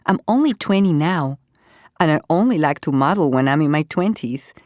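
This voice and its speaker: A woman's voice: deep voice, expressive, normal speed, darkish tone, no room sound, studio quality. A woman playing a twenty-year-old aspiring model who talks matter-of-factly about her plans. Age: young adult.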